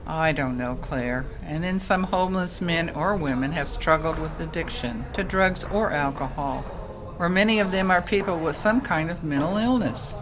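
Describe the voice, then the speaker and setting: An actress playing a kindly, patient Catholic sister in an audio drama, explaining things gently. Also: female voice, low-pitched, normal speed, background noise, close to an everyday voice.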